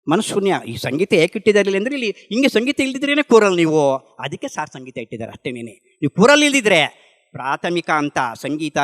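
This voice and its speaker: Speaking to a gathering, a middle-aged meditation practitioner offers an emphatic spiritual testimony, raising questions only to answer them himself. His pitch is fairly high and a bit bright, trailed by a long reverb.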